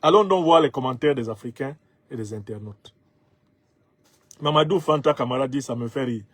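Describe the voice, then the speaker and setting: A man in his fifties from Cameroon whose first language is Bassa, emphatically commenting on viewers' social media comments. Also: normal speed, no room sound. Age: 50s. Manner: emphatic, rhetorical, laughs at his own jokes.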